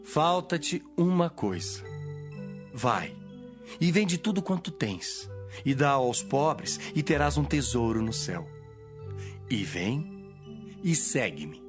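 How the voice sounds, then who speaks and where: A man's voice: medium pitch, big pitch swings, takes it slowly, pauses often. Casting: male actor as a solemn, firm holy teacher for a Bible audio drama, widely varied intonation, music behind. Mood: solemn, instructive.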